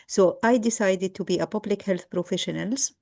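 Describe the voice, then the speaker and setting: A middle-aged woman from Egypt gives a lecture over a video call, speaking in a measured way with frequent ums and restarts. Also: mid-range voice, creaky, darkish tone. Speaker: guest lecturer. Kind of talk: online lecture.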